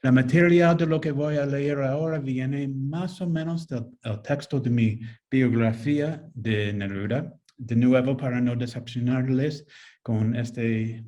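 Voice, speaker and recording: Male author on a video call, English native, halting and slow, full of ums. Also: medium pitch, dark tone. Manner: hesitant, many fillers and restarts. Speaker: author presenting his book. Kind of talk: casual virtual presentation.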